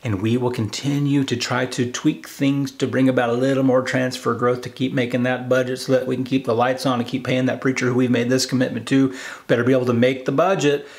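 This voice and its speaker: A man's voice: medium pitch, flat delivery, fairly quick. A man in his forties speaking as a preacher, earnest and emphatic, repeating phrases to drive his exhortation home. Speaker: preacher, video host. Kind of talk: sermon-like exhortation to camera. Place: home study with bookshelves, indoors.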